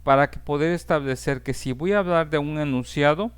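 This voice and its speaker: A man teaching a class, explaining in a measured way with frequent fillers and checks for understanding. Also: a little high, smooth. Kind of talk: recorded class lecture.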